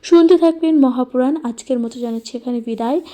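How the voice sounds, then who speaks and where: A woman reading and explaining Hindu scripture, slowly chanting mantras and addressing her listeners as their host, with soft music behind her. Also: sits high. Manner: slow, measured chanting of mantras. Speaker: religious reader and host.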